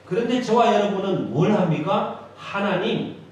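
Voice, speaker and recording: A man's voice: fairly high pitch, very animated, normal speed, highs cut off. A male pastor preaching a sermon with emphatic, rising and falling delivery in a church sanctuary. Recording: strong hall echo from a distant mic, faint noise.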